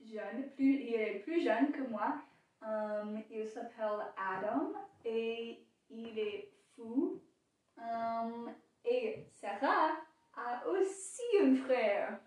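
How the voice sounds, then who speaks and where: A woman's voice: a little high, extremely slow. A teenage girl chatting carefully and hesitantly in a second language she is learning. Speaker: student podcaster. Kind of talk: casual chat in learner French. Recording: echoey room, distant from mic.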